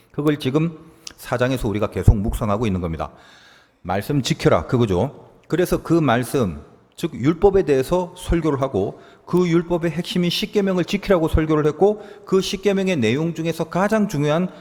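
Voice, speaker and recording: A man's voice: mid-range voice, darkish tone. A man preaching a sermon as pastor, talking animatedly and acting out quoted lines. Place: church sanctuary. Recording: long reverb of a church hall.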